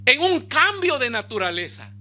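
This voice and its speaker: A male pastor, preaching a sermon with bursts of emphasis and quiet low asides. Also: sing-song, moderate pace.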